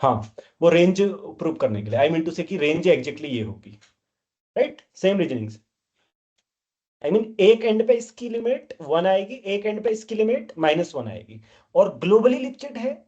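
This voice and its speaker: A man's voice: high voice, sing-song, unhurried, mellow, muffled recording. A man teaching math to a class, scolding and quizzing the students as he goes. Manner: scolding, keeps questioning students. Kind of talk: classroom lecture.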